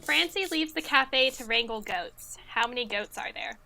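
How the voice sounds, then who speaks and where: A woman's voice: on the high side, lively intonation, moderate pace, creaky, pushed and bright, rough recording. A giggly, playful woman casually hosting a trivia quiz among friends on an online call. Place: remote group call. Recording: faint background noise, online group call.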